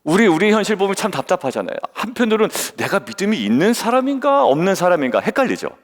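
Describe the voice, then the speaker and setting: Man, pastor, morning sermon, higher-pitched voice, animated delivery, long church-hall reverb. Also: quick pace. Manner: lively, questioning the congregation and acting out quoted voices. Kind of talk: early-morning devotional sermon. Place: church sanctuary.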